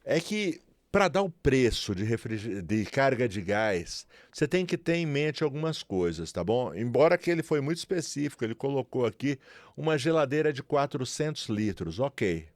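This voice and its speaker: A man's voice: medium pitch, sing-song, normal speed, dry recording. A man from Brazil with a São Paulo accent, teaching refrigeration in a chatty, promotional way and often checking in with "certo?" and "beleza?". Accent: Brazilian Portuguese, São Paulo. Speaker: refrigeration instructor. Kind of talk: casual tutorial talk to viewers.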